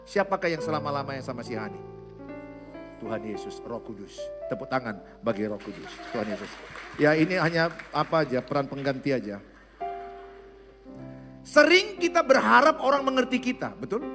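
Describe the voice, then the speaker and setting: A man with a Medan Indonesian accent, a pastor giving a lively, conversational sermon and coaching volunteers in front of the congregation. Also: medium pitch, moderate pace. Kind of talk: interactive sermon. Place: large church hall. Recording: echoey hall with guitar music.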